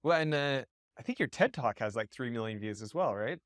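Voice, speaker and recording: A man's voice: medium pitch, lively intonation, fairly quick, a bit bright, dry recording, studio quality. A man from Western Canada hosting an interview, asking rambling questions full of restarts and fillers. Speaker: podcast host. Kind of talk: casual interview.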